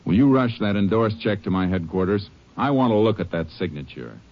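Very deep-voiced, terse Texas Ranger. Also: male voice, animated, brisk, very noisy. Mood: brisk, probing. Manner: terse, matter-of-fact. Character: calm, shrewd, authoritative male Texas Ranger. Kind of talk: 1950s radio western acting and narration. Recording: dull old 1950s radio recording.

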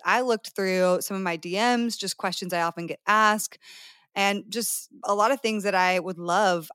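A woman's voice: medium pitch, a bit bright, dry recording, clean studio sound. A woman, hosting a podcast as a dating coach, bubbly and enthusiastic. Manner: bubbly, enthusiastic, acts out quotes.

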